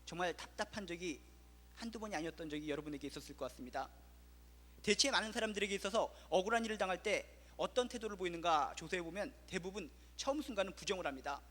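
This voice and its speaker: A man's voice: high voice, fast talker, a bit bright, in a large hall. A male pastor preaching an impassioned sermon full of rhetorical questions, in a church.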